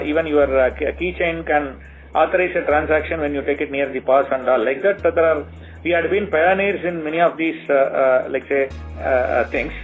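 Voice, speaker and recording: A man with an Indian accent giving corporate earnings-call remarks as a bank executive, halting and hesitant, with many filler pauses. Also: on the high side. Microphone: telephone conference line. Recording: tinny phone line, faint music.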